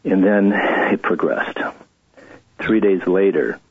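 A middle-aged man telling his story earnestly as an interview guest, halting and confessional. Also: deep voice, breathy edge. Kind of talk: personal testimony interview. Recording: tinny phone-line radio audio.

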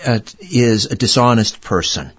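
A man hosting a radio interview, asking questions in a measured way. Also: mid-range voice, husky. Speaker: radio host. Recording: muffled lo-fi audio.

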